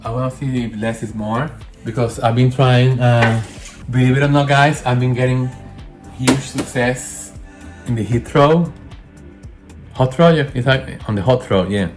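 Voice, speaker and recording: Speaking at a measured pace in a mid-range voice, a man with a Spanish accent leads a casual, hands-on candle-making tutorial. He's chatty and rambling, often correcting himself as he goes. The recording has a roomy echo and faint music.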